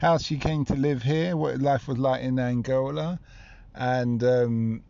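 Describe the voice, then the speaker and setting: A man with a medium-pitched voice hosts an informal interview in a taxi. He asks his questions in a loose, conversational way. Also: fairly even intonation, a little slow, creaky, darkish tone, highs cut off. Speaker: podcast host interviewing taxi passengers. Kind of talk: casual spontaneous interview. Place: inside a moving taxi.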